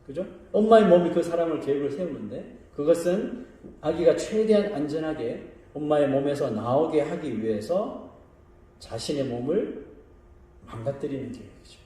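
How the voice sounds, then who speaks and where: Preaching pastor in a very echoey church. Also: male voice, a little high, lively intonation, normal speed, dark tone. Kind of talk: sermon. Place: church sanctuary. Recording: very echoey room, voice from a distance.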